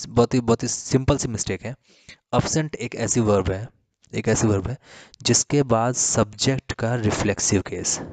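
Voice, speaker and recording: A man with a lowish voice teaches English grammar in Hindi, repeating key words and spelling them out letter by letter. He reads the example sentences slowly and deliberately. The sound is dry and close, with no room echo. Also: darkish tone. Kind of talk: exam-prep grammar lesson.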